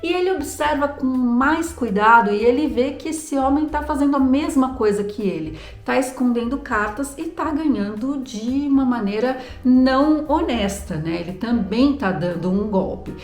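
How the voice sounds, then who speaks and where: A woman's voice: high-pitched, lively intonation, moderate pace, few pauses, roomy sound, soft background music. A woman with a Brazilian Portuguese accent telling a history story in a conversational, informal and explanatory way, as a host.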